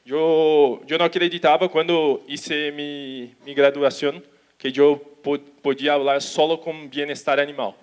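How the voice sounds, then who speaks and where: A man with a Brazilian accent, a native Portuguese speaker who cannot roll his R, giving an informal conference talk haltingly, mixing in Portuguese words and checking that listeners follow. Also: fairly high pitch, level tone, clear, resonant tone. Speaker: animal welfare consultant giving a talk.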